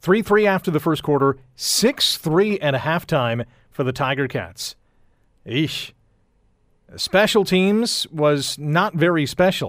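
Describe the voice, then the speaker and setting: The speaker talks at a very slow pace with lively intonation, recorded dry and close with no echo. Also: man. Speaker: radio host. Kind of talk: live radio call-in show.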